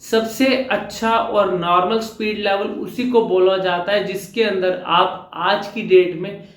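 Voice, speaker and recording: A speaking coach giving a reassuring vlog lesson to viewers, repeating phrases and mixing in English words. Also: male voice, sits high, fairly even intonation, a little slow, reverberant.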